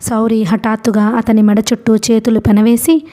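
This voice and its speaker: A woman's voice: a little high, flat delivery, moderate pace, mellow. A young adult woman, host of the channel, narrating a novel as an audiobook storyteller and voicing the characters in her own voice.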